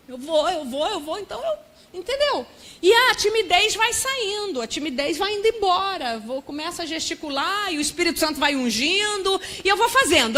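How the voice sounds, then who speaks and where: A woman pastor delivers a teaching sermon in a high, light voice. She talks in a chatty, conversational way and keeps checking that her listeners follow along. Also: bright, forceful tone. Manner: conversational, often checking in with the audience. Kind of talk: church lecture sermon. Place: church.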